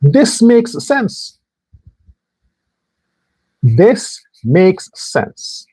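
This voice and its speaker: A man's voice: high voice, big pitch swings, extremely slow, mellow, husky, dry recording. A man hosting a political commentary show, delivering an emphatic monologue straight to his viewers. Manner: emphatic, talks straight to viewers, mock voices for others.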